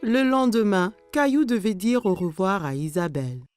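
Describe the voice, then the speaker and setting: A woman narrating a children's cartoon as a scripted story, telling it clearly in simple sentences. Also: mid-range voice, expressive, normal speed, a little mellow, soft background music, close to an everyday voice.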